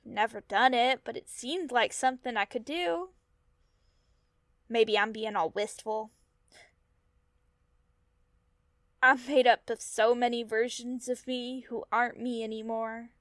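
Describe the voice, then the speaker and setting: A woman's voice: a little high, steady tone, a little slow, fairly bright tone, no echo, clean studio sound. A woman acting in an audio drama as a wistful, frank young mer-person who is hurting and on the run. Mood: wistful, weary. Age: young adult.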